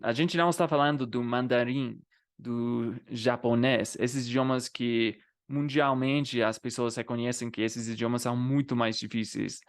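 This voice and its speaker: A man's voice: medium pitch, steady tone, moderate pace. A man whose first language is English, speaking Brazilian Portuguese with an English accent and casually explaining to learners, often adding little tag questions. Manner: conversational, frequent tag questions. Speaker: language teacher and vlogger.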